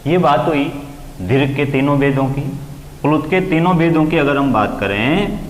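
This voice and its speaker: A male grammar teacher lecturing step by step, lifting his voice on key terms. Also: normal speed. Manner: explains step by step, raising pitch to stress key terms. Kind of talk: classroom lecture. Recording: echoey room with long reverb, faint ambient noise.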